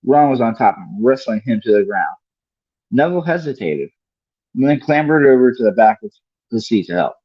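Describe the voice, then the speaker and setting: A man's voice: mid-range voice, very animated, a little fast, dry recording, lo-fi sound. A man reading a story aloud as a livestream host, now and then stumbling over a word and correcting himself. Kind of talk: read-along audiobook narration.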